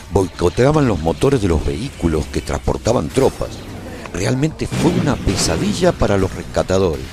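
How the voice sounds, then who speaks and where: A man's voice: fairly low pitch, darkish tone. A man playing a war survivor, solemnly narrating a heroic epic for a radio serial with emphatic delivery. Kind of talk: scripted dramatic narration.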